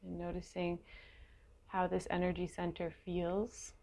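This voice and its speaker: A woman leading a guided meditation in a gentle, unhurried way, leaving long pauses between short phrases, with a creaky voice. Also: on the low side, completely flat delivery. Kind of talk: guided meditation, slow and soothing.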